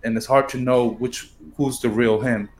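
A man's voice: mid-range voice, fairly even intonation, normal speed. A man co-hosting a podcast in casual chat, rambling and dropping lots of "you know"s. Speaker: podcast co-host.

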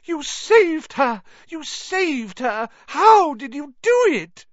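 A man's voice: very high voice, sing-song, takes it slowly, no echo, lo-fi sound, pitched above the performer's own voice, heavily acted. A man voicing an emotional middle-aged mother speaking with urgent feeling. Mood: overjoyed.

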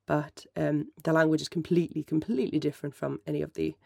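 Mellow podcaster in their thirties, a bit of vocal fry, keeps restarting sentences. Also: mid-range voice, level tone, quick pace, no echo, clean studio sound. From Finland. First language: Finnish. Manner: mellow, rambling, self-correcting. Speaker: podcast host. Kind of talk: casual solo chat answering listener questions.

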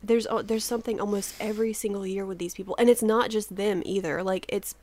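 A woman's voice: medium pitch, steady tone, brisk, a little mellow. A woman in her thirties chats with her co-hosts, her voice still a little sleepy. She laughs often and swears casually as she tells her stories. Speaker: podcast co-host. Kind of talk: casual chat.

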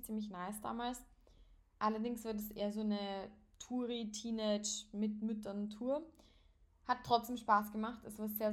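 Young Austrian woman chatting casually. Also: medium pitch. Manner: informal, sprinkles English phrases into her talk. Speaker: podcast host. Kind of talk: casual solo podcast chat, unscripted.

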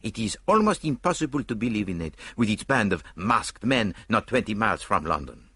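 A man voicing a fussy, excitable Belgian detective in an audiobook, talking in theatrical bursts. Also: slightly rough, dry recording, clean studio sound, heavily acted. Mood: animated, pondering. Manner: theatrical, rising pitch, quick bursts. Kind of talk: audiobook character voice.

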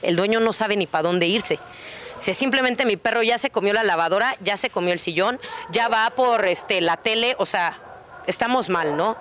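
A woman's voice: medium pitch, moderate pace, fairly bright tone. A woman with a Mexican accent, a guest on a radio show, talking casually and animatedly about dogs and acting out little dialogues. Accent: Mexican Spanish. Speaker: dog daycare co-founder, guest.

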